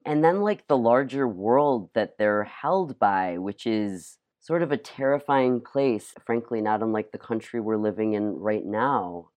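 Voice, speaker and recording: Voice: medium pitch, unhurried, hardly any pauses, darkish tone. Casual American actor chatting, mid-range voice. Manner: hesitant, filler-heavy, youthful enthusiasm. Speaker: actor being interviewed. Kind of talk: casual interview chat.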